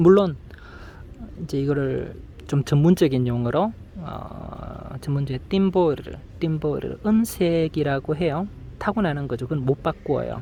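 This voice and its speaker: Through noticeable background noise, a man with a fairly high pitch and ordinary pitch variation speaks at a fairly slow pace with long, frequent pauses. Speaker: travel vlogger. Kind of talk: casual vlog monologue. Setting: outdoors on a park bench. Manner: halting, many fillers.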